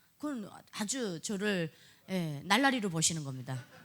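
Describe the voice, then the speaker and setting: A woman's animated tone with very wide pitch swings at a moderate pace. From North Korea. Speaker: North Korean defector giving testimony. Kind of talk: church testimony talk. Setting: church service.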